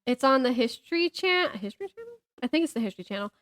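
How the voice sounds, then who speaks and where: A woman chatting casually as a podcast co-host, telling stories in an animated way and acting out what people said. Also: high-pitched, fast talker. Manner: animated storyteller who acts out reported dialogue and jokes at herself. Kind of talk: casual chat, storytelling.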